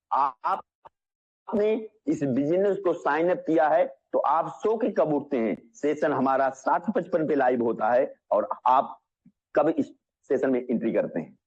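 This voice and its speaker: A man giving an energetic motivational business session, asking the audience questions and calling them friends. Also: mid-range voice, muffled recording.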